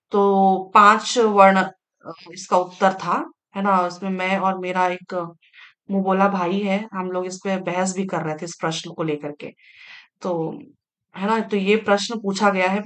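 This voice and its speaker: Slow, patient woman teaching grammar. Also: medium pitch. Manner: slow and patient, frequent tag questions and fillers. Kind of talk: exam-prep grammar lesson.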